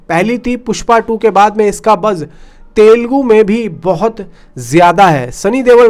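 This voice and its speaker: A man with a distinctly high voice presents informal film news commentary. He talks in a chatty way, addressing his viewers directly as brothers and friends. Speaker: film news YouTube host.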